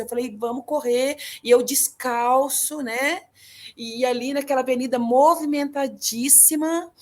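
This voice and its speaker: A middle-aged Brazilian woman giving an earnest, emotional personal testimony in an interview. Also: high-pitched. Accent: Brazilian Portuguese. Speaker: guest telling her story.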